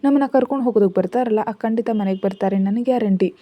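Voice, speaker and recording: A woman voicing a caring young daughter-in-law in a storybook reading, gentle and reassuring. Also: a little high, fast, no echo, lightly acted.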